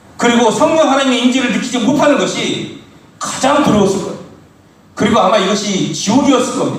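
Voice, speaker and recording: Loud and very fast, a man speaks at an extremely high pitch with ordinary pitch variation, amid audible room echo and noticeable background noise. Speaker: pastor. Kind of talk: sermon. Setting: church. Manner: gets louder with emphasis.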